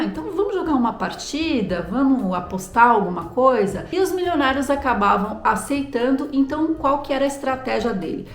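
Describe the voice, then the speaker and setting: A woman's voice: a little high, reverberant. A woman with a Brazilian Portuguese accent telling a history story in a conversational, informal and explanatory way, as a host.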